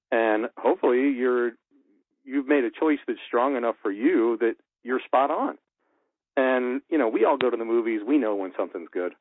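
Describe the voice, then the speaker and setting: A man's voice: on the low side, no echo. A man who works as a radio producer and engineer, giving candid, explanatory voice-acting advice with many fillers. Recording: tinny phone-like line, dry.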